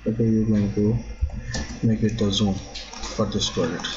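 Halting man with a lo-fi mic. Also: fairly low pitch, little pitch movement. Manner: halting, repeats "okay" often, non-native phrasing. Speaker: drafting instructor. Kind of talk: screen-recorded software tutorial. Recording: dull lo-fi sound.

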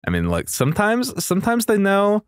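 A young man giving casual, slangy and excitable reaction commentary as a video creator, swearing freely. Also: sits high, normal speed, smooth. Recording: music playing behind the voice. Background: game trailer music.

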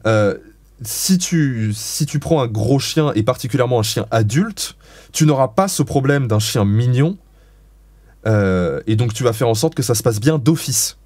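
A man's voice: medium pitch, lively intonation, a little slow, a little mellow, no room sound. A man giving dog-training advice as an interview guest, explaining in a frank, blunt way with casual swearing.

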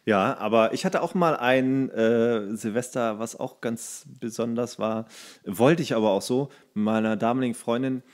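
Guy on a podcast, casual halting storytelling, average pitch. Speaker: podcast co-host. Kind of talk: casual chat, anecdotes.

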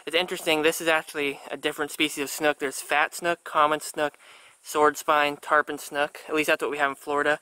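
Out on a backwater in a small boat, a young American man talks casually for his fishing vlog. He speaks a little fast in a slightly high, level voice that sounds pushed, bright, and clean. The recording is dry and poor in quality, with boat noise and the sound of water around him.

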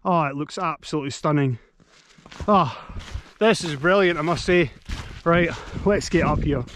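A man with a fairly high voice narrates a casual hiking vlog. He is enthusiastic and full of exclamations of awe. The handheld outdoor recording carries faint noise. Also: normal speed. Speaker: hiking vlogger. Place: outdoors on a mountain hike.

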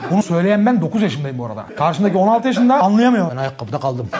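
A man doing stand-up storytelling, talking fast and acting out the people in his story with shifting voices. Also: sits high, crowd noise. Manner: rapid, animated, acts out voices and shouts. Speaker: stand-up comedian.

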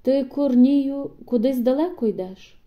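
A woman's voice: high voice, a little slow, muffled recording, pitched above the performer's own voice. A woman reading an audiobook voices a very old, frail peasant woman who answers in short, faint phrases. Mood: frail, quiet. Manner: faint, brief replies.

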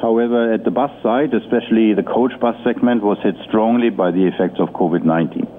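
Deep-ish male voice, company executive, formal and halting, narrow phone-line sound, faint hiss. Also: fairly even intonation. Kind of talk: prepared earnings-call presentation. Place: conference call line. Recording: muffled phone-line audio with noise.

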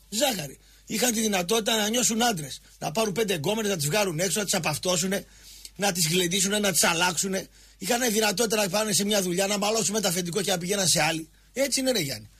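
A Greek man rants on a radio talk show, pressing hard and circling back to the same jabs at a co-host. His voice sits high and a little husky. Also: a bit bright. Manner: impassioned, repetitive, jabbing at a co-host.

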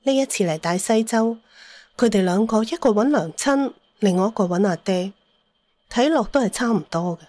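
Lady storyteller reading an audiobook, mid pitch, really dry studio sound. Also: lively intonation, normal speed, a little mellow, no room sound. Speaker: narrator.

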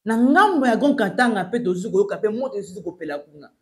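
High-voiced young Congolese commentator. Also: male voice, animated, fast talker, darkish tone. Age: young adult. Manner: emphatic, urgent, gesturing while addressing the camera. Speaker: news commentator. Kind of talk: mixed French and Lingala commentary. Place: small plain room indoors.

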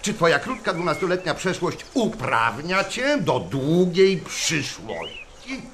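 A man's voice: a little high, very animated, slow, a bit bright, slight background noise, exaggerated voice. A man playing a pedantic, darkly cheerful schoolteacher in a theatrical radio drama style, questioning his class. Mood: insistent.

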